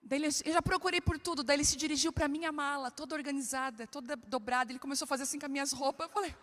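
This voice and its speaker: A woman pastor preaching a lively, humorous sermon and speaking directly to her listeners. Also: high voice, rapid-fire. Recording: reverberant hall.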